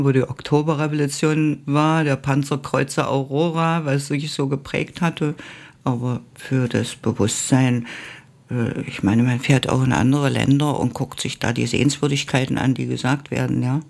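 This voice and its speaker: An older woman from East Germany, a former Russian teacher, recalling her past slowly and with many hesitations in an interview. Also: extremely low pitch, fairly even intonation, creaky, darkish tone. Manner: slow and reminiscent, with frequent hesitations. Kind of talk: oral history interview.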